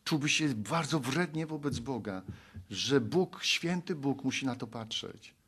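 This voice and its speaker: A Polish man preaches a sermon in a husky voice, unhurried and lively in intonation. He pleads and exhorts, swinging between loud appeals and hushed, low passages, and reads scripture aloud.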